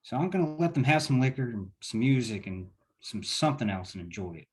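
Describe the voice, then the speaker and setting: A man playing a steady war-veteran leader of miners in a script read, earnest and firm. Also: medium pitch, a little fast, lightly acted. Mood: earnest, resolute. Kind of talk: screenplay table read.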